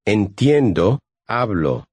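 Man, language course model voice, low, slow, husky. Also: sing-song, darkish tone, dry recording, clean studio sound. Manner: slow, deliberate. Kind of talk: slow model pronunciation for repetition.

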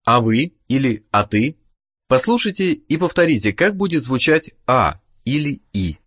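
A man narrating a language course, giving the listener clear prompts and questions to answer. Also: medium pitch, sing-song, unhurried, fairly bright tone. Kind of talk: scripted instructional narration.

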